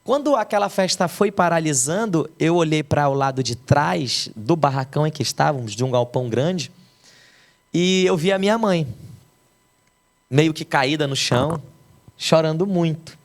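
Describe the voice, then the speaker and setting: A man's voice: a little high, normal speed. A young adult man from Brazil, a pastor, telling the emotional story of his conversion as a testimony.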